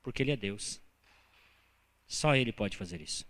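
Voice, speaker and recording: A man with a Brazilian Portuguese accent preaching a sermon as pastor, telling humorous personal stories with animated delivery. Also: on the low side, normal speed. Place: church sanctuary. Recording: church hall reverb.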